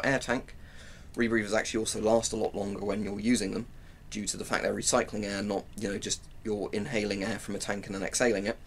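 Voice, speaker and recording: British male presenter, twenties, lowish voice, informal gear demo, some noise in a home recording. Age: 20s. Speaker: presenter of military gear reviews. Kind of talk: casual explanatory demonstration. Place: small cluttered room at home. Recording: clearly noisy home-room recording.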